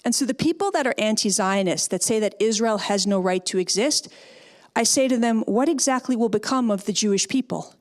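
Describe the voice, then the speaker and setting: A woman's voice: a little high, fairly quick. Emphatic woman giving a persuasive talk. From Canada. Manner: emphatic, persuasive speech with rhetorical questions. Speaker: guest speaker, former speechwriter. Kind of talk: public talk and audience Q&A.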